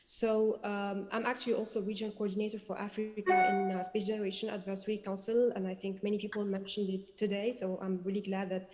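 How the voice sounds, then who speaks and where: A woman's voice: mid-range voice, level tone, fast, few pauses, a little mellow, soft background music. A woman from Tunisia, a space engineer speaking earnestly on a panel with frequent ums. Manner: earnest, fillers like um and uh. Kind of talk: panel discussion remarks. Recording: long hall reverb.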